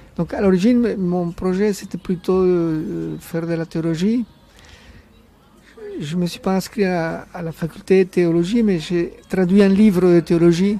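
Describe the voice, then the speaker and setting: A man talks with a Spanish accent at a high pitch. His pace is fairly slow and his intonation fairly even. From Colombia. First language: Spanish (speaking French). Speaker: immigrant interviewee. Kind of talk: radio interview testimony. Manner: halting, many hesitations.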